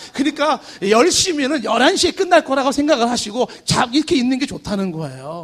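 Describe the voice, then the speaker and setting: This man's voice sits extremely high, and his intonation is lively. He talks at a fairly quick pace. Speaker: preacher. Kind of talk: sermon. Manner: stumbling.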